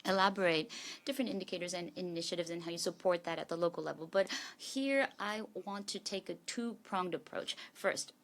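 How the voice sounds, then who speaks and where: A woman with a lowish voice, speaking fairly quickly, works as a simultaneous interpreter. She renders a panelist's speech in a steady, formal first-person delivery.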